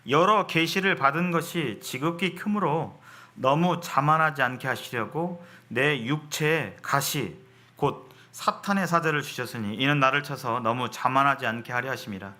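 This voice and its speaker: A man preaching a sermon. He asks questions and answers them himself, reads scripture slowly and often restarts words. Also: fairly high pitch, bright, forceful tone.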